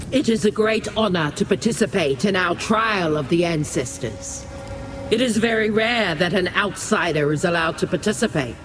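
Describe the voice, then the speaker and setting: An actor playing a solemn, reverent tribal herald, formal and ceremonial, in a fantasy video game. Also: male voice, high-pitched.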